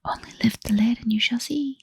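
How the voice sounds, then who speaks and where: A woman's voice: fairly high pitch, a little fast, no echo, heavily acted. Woman whispering as cheery fairy Hope. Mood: coaxing. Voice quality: breathy whisper. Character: cheerful winged fairy girl Hope, coaxing. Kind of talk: whispered role-play.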